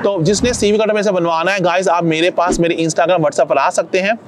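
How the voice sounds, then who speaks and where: A middle-aged man talks fast and eagerly to camera, full of advice, his voice sitting fairly high. He is outdoors on a lapel mic, with faint city noise and traffic behind him. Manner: fast, energetic, chatty with slips. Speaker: vlogger, career advisor.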